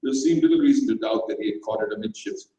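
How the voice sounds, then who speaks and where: A man's voice: a little high, wildly swooping pitch, fast, mellow. A man narrating a comic short story expressively in a dramatized stage reading, recorded from a distance in an echoey hall. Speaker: reader.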